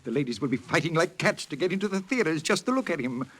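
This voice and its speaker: A pompous blustering studio boss. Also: male voice, on the high side, lively intonation, fast, a bit bright. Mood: commanding. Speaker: Hollywood producer. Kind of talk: 1940s radio acting.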